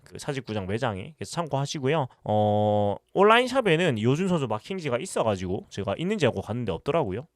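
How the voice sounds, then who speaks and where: A man's voice: medium pitch, no echo, studio quality. A man from Busan with a Busan accent, chatting casually on a livestream and answering viewer comments. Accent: Busan Gyeongsang dialect with western Gyeongsang touches. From Busan, South Korea. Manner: talkative, reads out and answers chat questions, many fillers. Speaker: livestream host.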